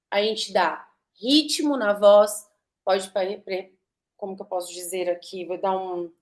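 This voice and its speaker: A woman giving a live online talk, conversational, asking her audience rhetorical questions and shifting her pace and emphasis to demonstrate. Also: medium pitch. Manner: varies pace and emphasis to demonstrate vocal technique. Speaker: speaker giving a talk on communication and sales.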